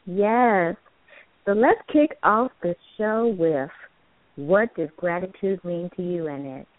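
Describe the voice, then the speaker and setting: A woman's voice: fairly low pitch, slow pace, no room sound. A woman hosting an online talk show, welcoming guests and chatting with an easy laugh. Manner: warm-toned welcoming host, laughs easily. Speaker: host. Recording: tinny phone line, dry.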